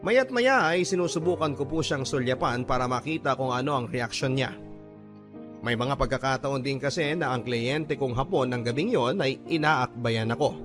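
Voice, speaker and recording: A man reads a confessional letter as the narrator of a radio love drama. His mid-pitched voice tells the story in scripted first person, with music clearly playing underneath. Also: moderate pace.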